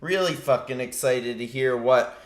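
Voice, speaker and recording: A man's voice: medium pitch, normal speed. Chill guy hosting a morning stream, cusses a lot, roomy echo. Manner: laid-back, swears casually. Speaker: host. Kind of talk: casual morning show chat. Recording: echoey room.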